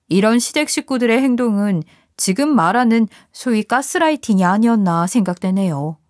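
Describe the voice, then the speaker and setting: A woman's voice: a little high, a little mellow, no echo, clean studio sound. A woman narrating a first-person story in a confiding, scripted manner.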